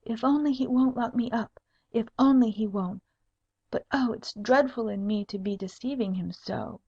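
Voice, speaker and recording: A woman's voice: a little high, moderate pace, dark tone, breathy edge. A woman voicing a sly, pert young noblewoman, a coaxing daughter in a humorous storybook tale. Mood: anxious. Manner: girlish, coaxing, haughty when teased. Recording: dull lo-fi audiobook recording.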